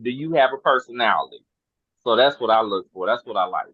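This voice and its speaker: A man guesting on a podcast, answering questions in a relaxed, joking way with drawn-out phrases. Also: mid-range voice, breathy edge, no echo, narrow, tinny audio. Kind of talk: casual interview answers.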